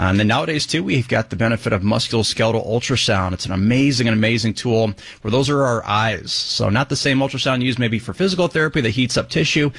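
Male radio co-host, doctor, clear explainer, dry studio mic. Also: lowish voice, a bit bright, dry recording. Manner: clear explainer, often adds "right?". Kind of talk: explaining on a radio talk show.

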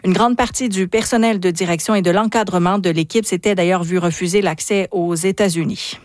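A woman anchor reading a radio newscast in a steady, measured way. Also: lowish voice, no room sound, clean studio sound. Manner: steady, measured news delivery. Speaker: news anchor.

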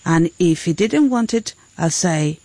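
A woman voicing a translation in the first person, in a gentle, even delivery. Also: lowish voice, unhurried, no echo. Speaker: voice-over interpreter.

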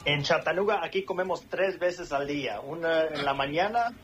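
A man's voice: on the high side, moderate pace, a bit bright, dull audio, a little hiss or hum. A Mexican man with a Mexican accent, a restaurant manager calling in to a radio show, polite and friendly. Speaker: phone-in guest, restaurant manager.

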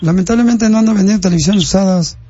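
A man's voice: high-pitched, rapid-fire, background noise. A man hosting a radio prank call, teasing his target in a mock-official tone. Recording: muffled lo-fi radio audio with faint music.

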